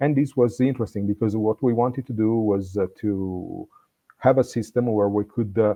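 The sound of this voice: A man's dark, mellow voice with fairly even intonation. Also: fairly low pitch for a man, moderate pace.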